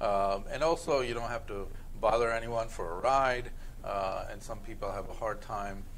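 The speech moves at a moderate pace, with light background noise behind it. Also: man. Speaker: respiratory therapist host. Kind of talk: live stream talk to viewers. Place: studio. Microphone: lapel.

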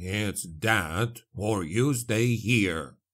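Putting on a character voice, a man growls in a gruff, fairly low register. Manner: gruff, growling, curt.

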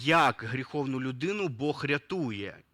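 In a very clean recording with a silent background, a man with a fairly high pitch and a bright, sharp tone speaks at a fairly slow pace with lively intonation, the sound dry and close with no echo. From Ukraine, Makariv area (Kyiv region). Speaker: pastor. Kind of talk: sermon. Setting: church.

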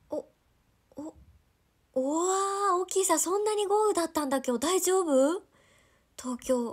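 Extremely high in pitch, a woman speaks with lively intonation at a fairly slow pace. Long, frequent pauses break up her speech over a quiet background. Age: 20s. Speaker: live streamer. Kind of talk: casual chat. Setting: live stream. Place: home room. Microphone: phone near.

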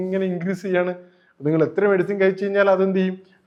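A man's voice, high in pitch. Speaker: doctor. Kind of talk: health explainer talk. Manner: informal, repetitive.

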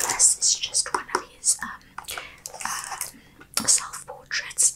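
A woman whispering. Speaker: presenter. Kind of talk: casual presentation. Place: home room.

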